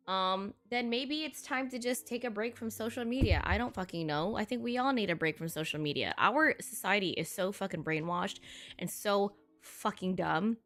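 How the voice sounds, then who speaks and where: A woman's voice: mid-range voice, a bit bright. A woman of Filipino heritage chatting casually on a live stream, blunt and profane with frequent laughter.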